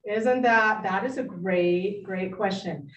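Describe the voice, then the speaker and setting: A middle-aged woman giving a live workshop talk to parents, animated and lively, acting out friends she quotes. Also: mid-range voice, slow. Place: meeting room. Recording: echoey room, distant mic.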